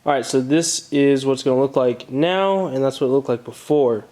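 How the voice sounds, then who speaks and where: A man's voice: mid-range voice, moderate pace, a little mellow. A man hosting a casual how-to vlog, explaining things in an informal, plain-spoken way. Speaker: host of a car DIY channel.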